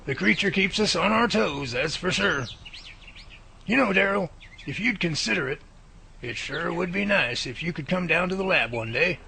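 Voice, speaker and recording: An actor as a creaky, high-voiced elderly professor. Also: male voice, lively intonation, moderate pace, pushed and bright, heavily acted. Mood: courteous, persuasive. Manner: polite, earnest, persuasive. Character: courteous elderly male professor, earnest research team leader. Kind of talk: radio drama acting.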